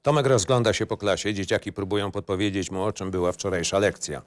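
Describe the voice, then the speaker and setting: A male narrator with a slightly low voice reads out screenplay directions. The delivery is scripted narration, describing scenes and actions between dialogue. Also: steady tone, fast. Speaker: narrator reading stage directions.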